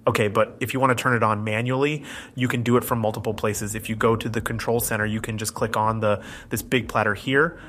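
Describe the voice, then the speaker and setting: A man's voice: fairly low pitch, fairly even intonation, fairly quick, a bit bright. A man presenting a tech tutorial in scripted, explanatory narration, going through it methodically step by step.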